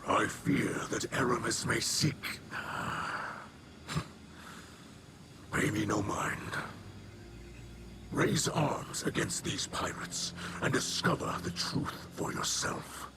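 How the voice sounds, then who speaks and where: A man playing a solemn, troubled alien captain in a video game, speaking in a grave, halting, formal way. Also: medium pitch, lively intonation. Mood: grave warning. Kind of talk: dramatic video game acting. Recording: heavy ambient noise behind voice.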